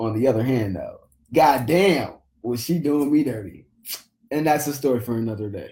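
A man speaks at a medium pitch in a dark, mellow, somewhat breathy tone, with ordinary pitch variation. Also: moderate pace. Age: 20s. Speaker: podcast co-host. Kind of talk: casual chat.

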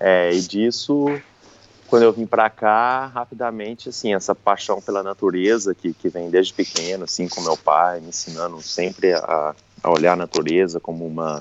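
Very deep, low-pitched male voice at a moderate pace. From Brazil, Minas Gerais (Barbacena). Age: 20s. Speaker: long-distance hiker. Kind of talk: casual interview. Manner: hesitant, many fillers.

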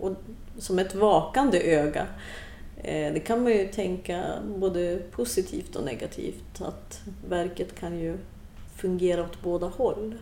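Room echo clearly audible around a medium-pitched female voice of ordinary pitch variation. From northern Sweden (Skellefteå). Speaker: artist. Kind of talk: interview. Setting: artist's studio.

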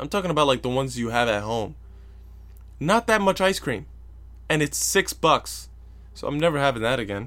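This man speaks in an animated tone at a fairly quick pace, breaking often into long pauses, on a very clean recording with a silent background. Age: 20s. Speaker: podcast host. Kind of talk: casual solo monologue.

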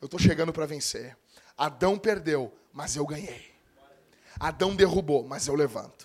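With long, frequent pauses, a man speaks at a fairly slow pace and with ordinary pitch variation. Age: 30s. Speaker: pastor. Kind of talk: sermon. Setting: church. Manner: animated.

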